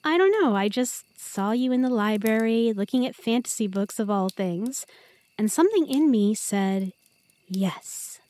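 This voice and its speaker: A woman's voice: fairly high pitch, lively intonation, unhurried, a little mellow. A woman playing an affectionate, earnest young girlfriend in an intimate, chatty roleplay audio drama. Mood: tender. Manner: tender, chatty, playful.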